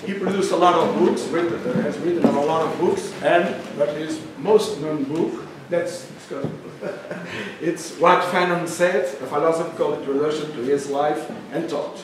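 A man in his fifties from the Azores introducing a speaker on a stage, halting often with fillers and restarts. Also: on the high side. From Portugal, Azores. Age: 50s. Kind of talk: hesitant formal introduction. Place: stage of a small venue, indoors. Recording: echoey hall from a distance, noisy.

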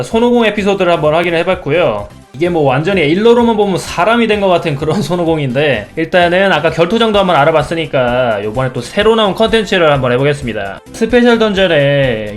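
A man giving casual mobile game commentary as a streamer, reacting aloud and asking himself questions as he plays. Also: fairly high pitch. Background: game music.

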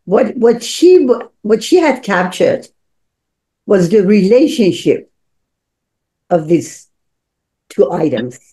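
A woman's voice: mid-range voice, big pitch swings, slow, pauses often, dark tone. An older woman talking reflectively and informally on a video call. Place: book-lined room at home, on a video call. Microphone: computer mic on a video call.

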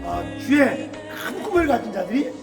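High-voiced pastor over a PA system. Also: male voice, sing-song, creaky. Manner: preachy, frequent drawn-out "ah" fillers. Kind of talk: church announcement and prayer. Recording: echoey church hall with music.

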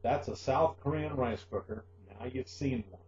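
A middle-aged man hosting a casual news lesson for English learners, joking sarcastically and pausing to explain words. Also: mid-range voice, roomy sound. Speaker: host of an online English lesson show. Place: small room at a desk. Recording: muffled, noisy webcam audio with hum.

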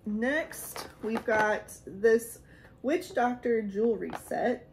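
A woman in her thirties chatting casually in a haul vlog from a small room, rambling and laughing, a little hoarse from losing her voice. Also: a little high, animated, slow pace, background noise. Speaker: vlogger showing a haul. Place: small decorated room indoors.

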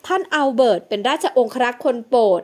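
A woman's voice: on the high side, big pitch swings, fast. A woman reading the part of a scheming older woman in an audio novel, coaxing and pleading.

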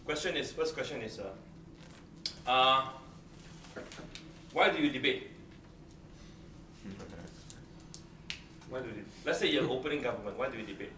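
A man's voice: medium pitch, bright, forceful tone. Man lecturing in an echoey room. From Singapore. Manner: brisk, teasing, repeats key points. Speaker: debate lecturer. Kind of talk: classroom lecture with questions. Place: large brick-walled seminar room. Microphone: far camera, no close mic. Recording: roomy, distant camera audio with room noise.

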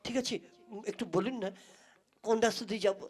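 A woman's voice: medium pitch, fairly even intonation, fast, a little mellow, lightly acted. A woman playing a courteous, hesitant man who is a stranger in a village, in a comic puppet play. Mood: hesitant, insistent. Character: polite, hesitant, increasingly impatient male stranger seeking directions.

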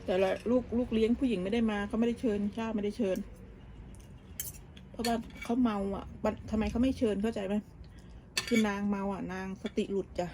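A mid-range female voice comes through a noisy background. She's a vlogger in her kitchen abroad, cooking while casually gossiping about family, her talk full of restarts and fillers.

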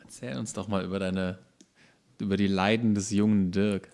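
A man's voice: fairly low pitch, level tone, moderate pace, vocal fry, a little mellow. A man co-hosting a podcast in casual comedic banter, teasing with wry remarks. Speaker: podcast co-host.

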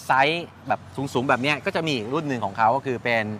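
A man's voice: medium pitch, expressive, quick pace, a bit bright. Man hosting a casual motorcycle review, outdoor noise. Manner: explanatory, repeats and confirms the guest's answers. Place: at a shop beside traffic. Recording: outdoor noise, vehicles behind.

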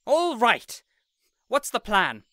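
A man's voice: extremely high pitch, huge pitch swings, takes it slowly, pushed and bright, dry recording, full character voice. A man voicing an indignant, insecure young superhero in an audio roleplay, whiny, pompous and melodramatic. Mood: eager. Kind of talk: scripted audio roleplay acting.

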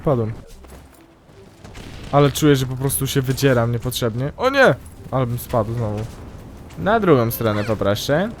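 A young man commentating his own gameplay, excitable and yelping loudly whenever something goes wrong. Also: mid-range voice, moderate pace, slight background noise. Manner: excitable, yelps and shrieks at mishaps. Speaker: gaming YouTuber. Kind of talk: let's play commentary.

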